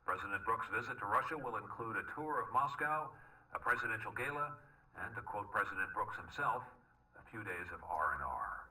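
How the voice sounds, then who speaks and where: An actor playing a male news anchor reading a formal broadcast in a measured newsreader manner. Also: on the low side, expressive, sharp tone, distant mic, rough recording. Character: male television news anchor in a spy game.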